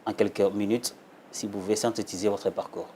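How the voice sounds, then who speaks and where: A man's voice: lowish voice, fairly even intonation, fairly quick, mellow, slight background noise. A man hosting a television magazine interview, giving emphatic, flowery introductions and asking questions. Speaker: talk show host.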